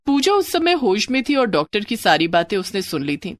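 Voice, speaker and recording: A woman narrates a scripted moral story for a cartoon. Her pitch moves a lot and her delivery is expressive. The recording is dry and close. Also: a little fast, no echo.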